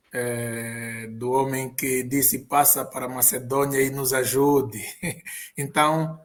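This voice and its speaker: A man with an Angolan Portuguese accent, hosting a live online interview and asking his questions in a measured, deliberate way. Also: medium pitch. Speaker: host.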